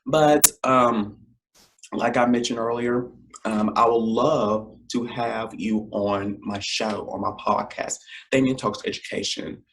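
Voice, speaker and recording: A man hosting his own podcast, closing an episode in a loose, rambling way, full of fillers and talk to "you guys." His voice is scratchy and deeper than usual because he is feeling unwell. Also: fairly even intonation, slow, fairly bright tone. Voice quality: deep, scratchy voice. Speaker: podcast host. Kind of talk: casual solo podcast outro.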